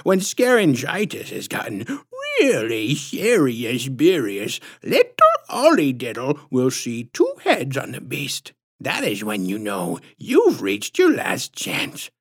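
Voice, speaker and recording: A man voicing a huge, creepy, patronizing woman in a storybook, with a squishy-throated lisp and syrupy, drawn-out baby talk. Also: medium pitch, huge pitch swings, slightly rough, full character voice. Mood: sly, menacing.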